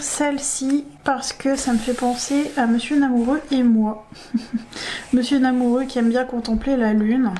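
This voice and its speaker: High-voiced chatty woman vlogger. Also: a little mellow, a little hiss or hum. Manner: chatty, gushing, giggly. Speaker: coloring-book vlogger. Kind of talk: casual chat.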